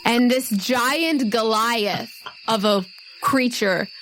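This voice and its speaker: A woman's voice: on the high side, slow pace, heavy background noise. A woman narrating a tabletop role-playing game as its game master.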